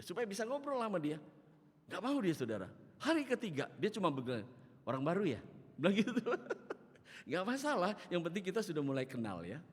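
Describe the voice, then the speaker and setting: A man preaching a sermon as pastor, telling stories in an animated way and acting out the characters. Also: lowish voice. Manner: animated storytelling, acts out characters. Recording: reverberant church hall.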